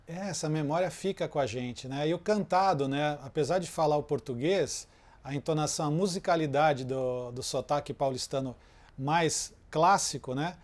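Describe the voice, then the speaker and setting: Chatty male interviewer, fairly high voice. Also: moderate pace. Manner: chatty, loose, with many "né?" and "é" fillers. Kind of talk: conversational interview.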